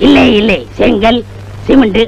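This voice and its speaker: An actor playing a male prisoner in disguise as a Punjabi trader, answering in a deadpan, evasive way. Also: very high voice, normal speed, vocal fry, dull audio, a little hiss or hum, exaggerated voice.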